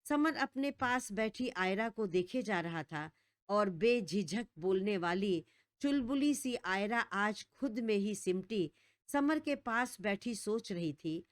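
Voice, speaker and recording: A woman storyteller giving a scripted, expressive narration of a romance story. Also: medium pitch, dry recording, studio quality.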